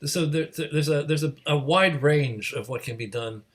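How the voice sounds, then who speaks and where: A man interviewing in a conversational way, halting and stammering over the starts of his phrases. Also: fairly high pitch. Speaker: interviewer, event host.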